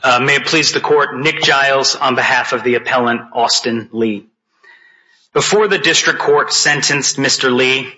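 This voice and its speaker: A man argues formally as an appellate lawyer, deferential to the bench. His voice is bright and forceful at a middling pitch. The audio is dull and lo-fi. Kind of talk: formal oral argument.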